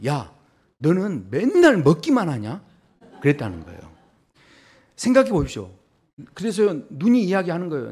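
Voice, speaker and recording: A man preaching a Sunday sermon as pastor, telling stories and acting out little voices as he goes. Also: on the high side. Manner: storytelling with lively acted-out voices for body parts.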